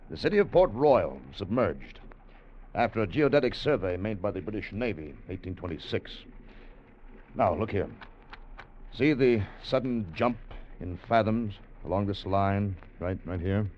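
A man's voice: lowish voice, lively intonation, measured pace, slight background noise. An actor playing an earnest, hesitant man leading a treasure salvage voyage, in 1940s radio acting, on a dull old broadcast recording. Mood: explaining.

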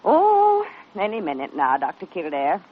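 A huffy, fussy nurse. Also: female voice, fairly low pitch, wildly swooping pitch, normal speed, breathy edge, exaggerated voice. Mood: bossy. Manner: folksy, indignant, huffy. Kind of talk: 1950s radio drama acting. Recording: dull lo-fi old radio recording with faint hiss.

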